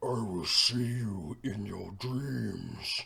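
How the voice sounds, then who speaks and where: At medium pitch, a man speaks. He does so in a put-on character voice. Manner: ominous, tremor-inducing.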